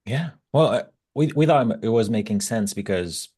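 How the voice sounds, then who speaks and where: A man with a French accent, a guest expert talking casually about technology in halting, non-native English phrasing. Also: fairly low pitch, expressive, darkish tone, husky.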